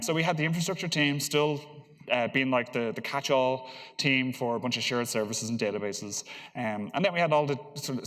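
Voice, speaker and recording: A man's voice: mid-range voice, fairly bright tone. Man presenting in a reverberant hall. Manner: hesitant, halting delivery with repeated words. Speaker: conference speaker, engineer. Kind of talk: informal technical conference presentation. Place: large conference hall, on stage.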